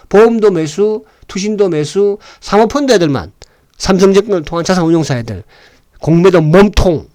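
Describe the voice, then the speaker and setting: A man with a fairly high voice gives casual stock commentary, his pitch leaping up and down as he talks. He keeps asking his viewers to agree and drops in blunt slang. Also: darkish tone.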